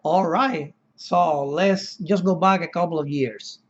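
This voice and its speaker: A man's voice: fairly high pitch, takes it slowly, highs cut off. A man in his fifties, born in Cuba, hosting a podcast interview in an earnest, effusive and formally worded way. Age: 50s. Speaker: podcast host.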